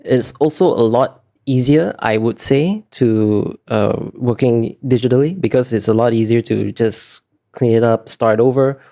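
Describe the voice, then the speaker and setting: A man answering interview questions in a casual, explanatory way, halting often with pauses and fillers as he talks. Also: medium pitch, mellow. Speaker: interview guest, visual artist.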